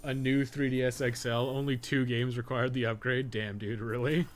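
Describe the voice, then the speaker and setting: A man's voice: mid-range voice, level tone, moderate pace. A man giving casual live gameplay commentary, rambling and thinking aloud with casual swearing. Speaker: game streamer and podcast co-host.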